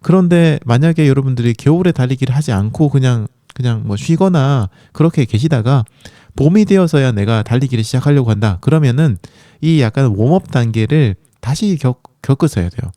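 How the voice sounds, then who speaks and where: A man's voice: medium pitch, expressive, fairly quick, warm tone, no echo, clean studio sound. A man hosting a running podcast in a chatty, encouraging monologue, with a sore throat from a coming cold. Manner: encouraging, chatty, many fillers.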